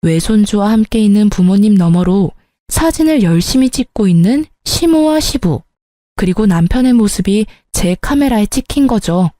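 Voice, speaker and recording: A woman narrating a first-person drama story in a calm, steady, scripted way. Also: medium pitch, normal speed, no echo, clean studio sound.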